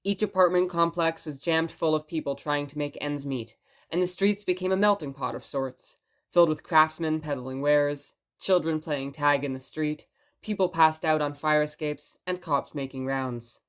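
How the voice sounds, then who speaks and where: An actress plays a woman hosting a fictional radio station, with a low voice. She is chatty and playful, with a wry, expressive way of telling a story, as in a scripted audio drama. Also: moderate pace, natural voice. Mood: measured storytelling.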